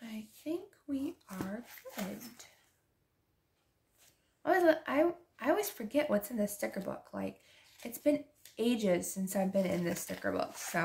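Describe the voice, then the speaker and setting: Soft-spoken hoarse woman with vocal fry. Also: mid-range voice, slight background noise. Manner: soft-spoken, drifting into whispers; chatty, laughs often. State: hoarse, losing her voice. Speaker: planner and journaling vlogger. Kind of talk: casual chat while decorating a planner.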